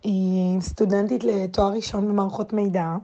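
Mellow young woman telling a story. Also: medium pitch, fairly even intonation. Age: 20s. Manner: unhurried, with frequent hesitant fillers. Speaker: guest storyteller. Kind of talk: casual personal anecdote. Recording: slightly dull lo-fi recording.

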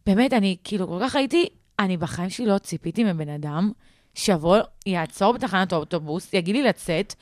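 A woman's voice: medium pitch, expressive, no room sound, clean studio sound. A young woman telling a dating story in casual chat, acting out the quotes and laughing often.

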